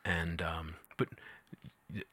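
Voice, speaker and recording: A man's voice: low voice, flat delivery, slow, fairly bright tone, husky, no echo. A man hosting an interview show, chatting in a friendly way with lots of fillers and restarts. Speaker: podcast host. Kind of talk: casual interview conversation.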